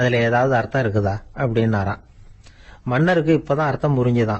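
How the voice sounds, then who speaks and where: A man's voice, its pitch variation ordinary. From Tamil Nadu, India. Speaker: radio broadcaster, storyteller. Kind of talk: storytelling talk with anecdotes. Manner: conversational, colloquial.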